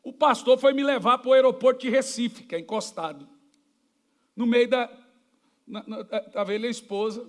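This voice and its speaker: Brazilian pastor, man, very high voice, animated preaching, jokey storytelling, occasional shouting. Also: moderate pace.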